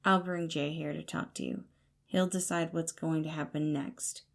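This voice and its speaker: A weary, guarded young man in an audio drama , performed by a woman. The voice is on the low side with plenty of fry, and the delivery is dry, blunt and grudging. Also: fairly even intonation, moderate pace.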